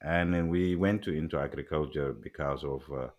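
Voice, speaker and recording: Very deep-voiced Somali-accented man. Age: middle-aged. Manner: halting, many fillers and restarts. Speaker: guest, agriculture executive. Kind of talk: casual interview talk.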